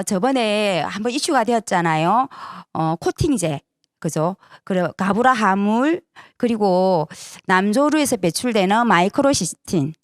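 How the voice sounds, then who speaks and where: A woman's voice: mid-range voice, no room sound, clean studio sound. A woman presenting a sales seminar to an audience, persuasive, often asking for agreement with short tag questions.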